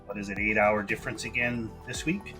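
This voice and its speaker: A man's voice: lowish voice, fairly even intonation, a little fast, pushed and bright, faint music behind. A man hosting a podcast in casual, upbeat chat with his co-host and guest.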